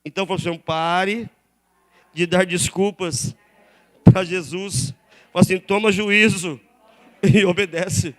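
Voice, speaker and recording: High-voiced Brazilian pastor preaching. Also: male voice, fairly even intonation, slow pace, long pauses. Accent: Brazilian Portuguese. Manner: preaching with call-and-response to the congregation. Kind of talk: sermon. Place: church sanctuary.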